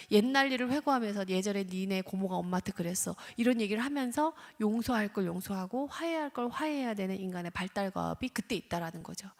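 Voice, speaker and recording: Engaging woman lecturing in a church hall. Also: mid-range voice. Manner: engaging, asks the audience questions, acts out examples. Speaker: lecturer and counselor. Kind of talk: lecture at a weekday church service. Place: church sanctuary.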